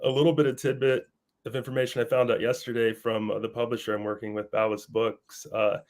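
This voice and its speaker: Male author guest, middle pitch, slightly raspy from a cold, friendly and quick to laugh. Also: level tone, darkish tone. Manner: friendly, laughs easily, repeats words. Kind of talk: interview.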